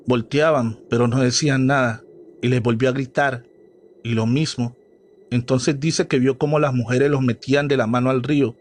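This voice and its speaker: A man narrating scripted horror stories as a storyteller, with a dramatic, steady delivery. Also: mid-range voice.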